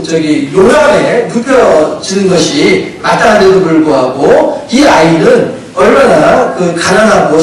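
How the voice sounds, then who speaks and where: Lively male pastor preaching. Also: sits high. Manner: conversational, asks rhetorical questions. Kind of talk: sermon. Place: church sanctuary. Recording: echoey church hall, distant mic.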